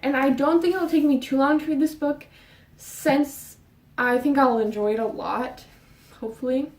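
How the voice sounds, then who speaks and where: A young woman vlogging casually about books, talking fast and rambling, a bit out of breath. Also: high-pitched, fairly even intonation, darkish tone, distant mic. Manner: fast, rambling, with fillers and restarts. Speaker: book vlogger. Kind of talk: casual book chat. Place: her bedroom. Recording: roomy sound, voice off-mic.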